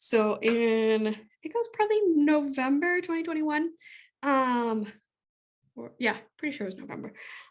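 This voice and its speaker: Against a quiet background, a woman talks at a moderate pace in a high pitch. Her tone is animated and her intonation lively. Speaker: podcast host, knitting pattern designer. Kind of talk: solo podcast talk.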